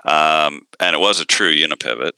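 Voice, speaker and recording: A man's voice: a bass voice, moderate pace, sharp tone, clear, resonant tone, no room sound, poor audio. A man, an audio company founder, talking casually in an interview, hesitant with many fillers and restarts.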